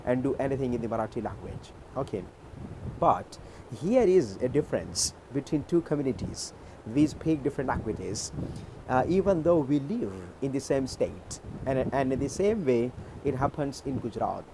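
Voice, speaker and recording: Measured Indian-accented male tutor. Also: medium pitch, expressive, background noise. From Maharashtra, India. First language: Urdu. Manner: measured, explanatory, checks in with "okay". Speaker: English tutor. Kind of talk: conversation practice on a video call. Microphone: video call.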